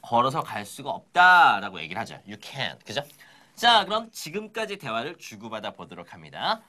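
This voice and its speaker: A man's voice: mid-range voice, moderate pace. A man teaching English phrases in an upbeat lesson, coaching the audience with energy and pushing them to repeat after him. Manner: energetic, coaxing, drills phrases aloud.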